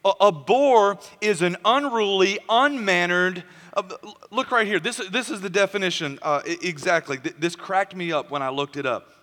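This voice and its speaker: A male pastor preaches a sermon and retells Bible stories with emphasis, often repeating words as he goes. His voice is high and bright. Long reverb from the hall hangs behind him. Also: normal speed.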